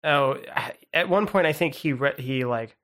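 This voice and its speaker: A man co-hosting a podcast, chatting casually in a rambling, halting way with lots of "like". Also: on the high side, fairly bright tone. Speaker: podcast co-host. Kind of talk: casual chat.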